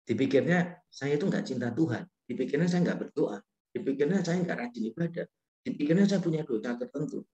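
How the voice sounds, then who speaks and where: A middle-aged man, a pastor, giving a relaxed sermon talk, telling stories and acting out quoted dialogue with lots of fillers. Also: on the high side, a little fast, reverberant. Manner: casual storytelling with frequent fillers and quoted dialogue.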